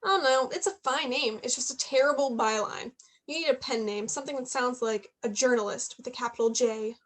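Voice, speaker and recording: A woman plays a driven young female journalist in a contemporary stage play. Her voice is distinctly high. She speaks frankly to a close friend, ambitious and easily frustrated. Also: a little fast, a bit bright. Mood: playful, confident.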